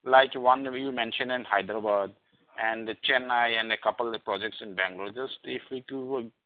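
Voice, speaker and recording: A man's voice: mid-range voice, normal speed. A man with an Indian accent asking questions as an analyst on an earnings call, hesitant and circling in his phrasing. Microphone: headset on phone call. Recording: tinny phone headset line.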